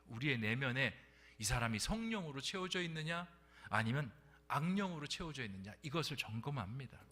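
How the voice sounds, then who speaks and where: A man's voice: a little high, bright, forceful tone. A middle-aged man preaching a sermon as pastor at a Friday prayer meeting, often dropping to a whisper for emphasis and putting questions to the congregation. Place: church sanctuary.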